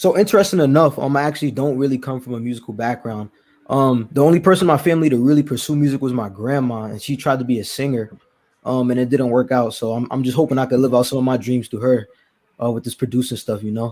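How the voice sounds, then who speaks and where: With ordinary pitch variation, the man talks at a very fast pace. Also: medium pitch for a man. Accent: New York. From Brooklyn, New York. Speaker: music producer. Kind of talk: casual interview.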